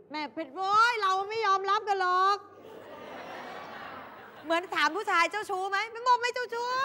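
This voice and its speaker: A woman hosting a TV talk show, chatting to viewers with comic advice and acting out little quoted voices. Her voice is high and bright. A long reverb hangs around her in the studio.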